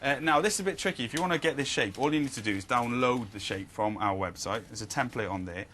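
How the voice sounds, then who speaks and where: A man's voice: mid-range voice, fast, a bit bright, slight background noise. A young man presenting on children's TV, cheerfully explaining a craft step by step. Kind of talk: crafting demonstration.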